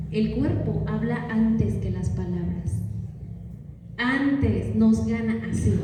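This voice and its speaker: A woman's voice: fairly high pitch, warm tone. A woman giving a live talk to parents, often checking in with the audience through questions. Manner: engages audience with frequent questions. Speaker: parenting workshop speaker. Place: large echoey hall. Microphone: distant from the mic. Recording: echoey hall from far off, faint noise.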